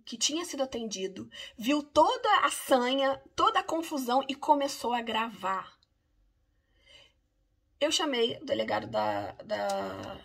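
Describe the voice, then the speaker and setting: A woman's voice: on the high side, creaky, fairly bright tone, breathy edge. A Brazilian woman lawyer with a Brazilian Portuguese accent, recounting something that happened to her in an indignant, emphatic way. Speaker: immigration lawyer. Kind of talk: casual first-person account.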